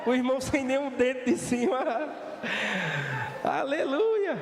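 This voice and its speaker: A man's voice: very high-pitched, lively intonation, slow pace. A man with a Brazilian Portuguese accent preaching a sermon as pastor, fervent and joking, driving his points home by repeating them. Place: church hall. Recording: echoey church hall, faint noise.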